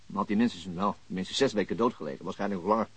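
An actor playing a polite, patient police investigator in a naturalistic radio drama, with hesitant, courteous questioning. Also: male voice, fairly low pitch, very fast, dry recording. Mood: patient, probing. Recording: clearly noisy radio drama recording.

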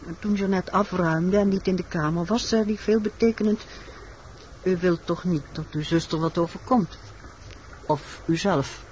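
An actress playing a weary, secretive woman in a radio drama, telling her story in a measured, matter-of-fact way. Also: sits low. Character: weary, secretive woman confessing a wartime killing. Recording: muffled, noisy old radio recording.

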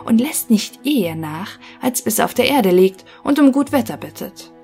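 A woman's voice: on the high side, big pitch swings, moderate pace, creaky, a little mellow, faint music behind. Woman reading a proud young craftsman son.

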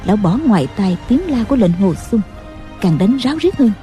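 A woman narrating a martial-arts novel as an audiobook in a steady storytelling voice. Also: medium pitch, brisk. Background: faint music.

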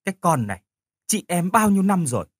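A man's voice: sits high, very animated, fast talker, slightly rough, dry recording, voice pushed up, heavily acted. A man voicing a brash, kind-hearted young woman who bosses her friend around bluntly, in an audio story. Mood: bossy caring. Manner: bossy, blunt, swears affectionately.

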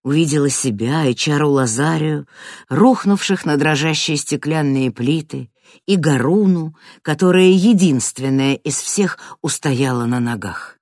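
Slow, dramatic audiobook narrator. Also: medium pitch, no echo, studio quality. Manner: dramatic, wide swings from hushed to loud. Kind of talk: scripted fantasy narration.

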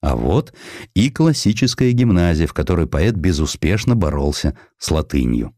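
A man narrating a literary historical essay as an audiobook, with expressive, dramatic and measured phrasing. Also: low-pitched, no room sound, clean studio sound.

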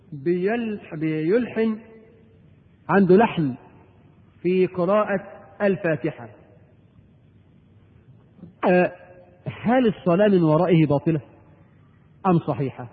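A man with an Egyptian accent delivers a sermon in a high, breathy voice, pausing to ask rhetorical questions and repeat his points. The sound is thin and phone-like. A long reverb hangs after each phrase, as in a large hall. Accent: Egyptian Arabic. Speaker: preacher. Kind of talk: Islamic lecture with audience questions. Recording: echoey hall over a tinny narrow line.

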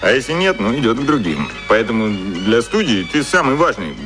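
An actor in a radio play playing a brisk, cynical middleman who talks like a chatty salesman. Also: mid-range voice, big pitch swings, lightly acted. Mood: persuasive, brisk. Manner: conversational salesmanship, full of filler words and asides. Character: brisk, cynical middleman hustler coaching a novice copywriter. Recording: music behind the voice.

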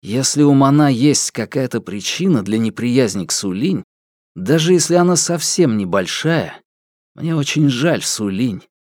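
A blunt, stubborn schoolboy, voiced by a male narrator, speaks curtly and indignantly in a mid-pitched voice. His voice sits a little higher than the narration. The recording is dry and close. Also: animated, a little slow, darkish tone, dry recording. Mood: earnest. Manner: curt and indignant. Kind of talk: audiobook character voice.

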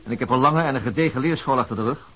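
A man's voice: mid-range voice, rapid-fire, bright, forceful tone, close to an everyday voice, low-quality recording. An actor with a Dutch accent playing a stubborn veteran police detective in his fifties, blunt and musing by turns in a radio play. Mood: stern. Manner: blunt, musing, then commanding. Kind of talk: Dutch radio drama acting.

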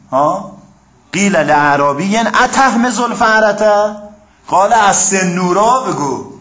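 Male teacher, high voice, lively classroom lecture, keeps prompting listeners, echoey room. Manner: keeps checking with listeners and prompting them to answer; reads Arabic passages, then explains them in plain speech. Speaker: teacher of Quran commentary.

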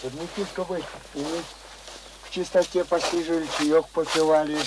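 An actor playing a cheerful, talkative, stubborn old village pensioner in a radio play, with rustic speech full of fond diminutives. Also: male voice, fairly high pitch, level tone, moderate pace, background noise, close to an everyday voice. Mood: cosy, jovial. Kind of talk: radio drama acting.

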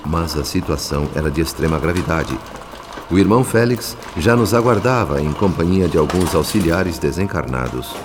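A humble spirit narrator tells a radio drama story with solemn, measured delivery. The voice is very low, carried by long reverb over soft music. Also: male voice, lively intonation. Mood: solemn, compassionate.

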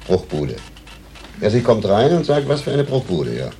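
A man's voice: lowish voice, big pitch swings, moderate pace, creaky, dark tone, a little hiss or hum. A man playing a dry, self-assured, masculine gay man who explains things matter-of-factly in a German radio crime drama. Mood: wry.

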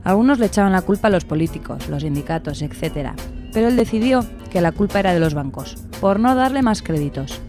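A woman acting as a calm storyteller in a radio play, telling a cautionary tale at a measured gait. Her voice is mellow and slightly low, with faint music behind it. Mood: calm narrating.

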